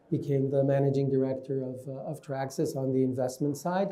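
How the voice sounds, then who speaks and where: Noticeable background noise runs under the speech. The speaker is a man with an American accent. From US, New York. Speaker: mining investor and advisor. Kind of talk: panel discussion.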